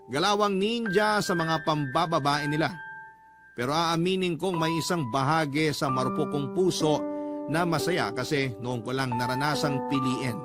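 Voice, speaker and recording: A Filipino-accented man narrates a love letter in the first person, dramatic and confessional. His voice is fairly high for a man, and music plays loudly beneath it. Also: moderate pace. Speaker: radio love-story reader. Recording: loud music bed under voice.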